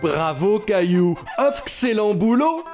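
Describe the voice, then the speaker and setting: A kindly cartoon farmer uncle, with hugely swooping, sing-song intonation. He is jolly and encouraging, and music plays clearly behind him. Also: sits high, sing-song, slow, full character voice. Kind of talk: children's cartoon dub.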